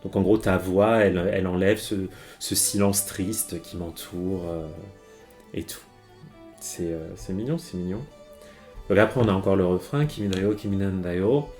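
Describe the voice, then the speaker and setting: A man's voice: deep voice, normal speed, darkish tone, soft background music. A man teaching Japanese on a live stream, talking an audience through song lyrics, hesitant and full of fillers and restarts. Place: home streaming setup.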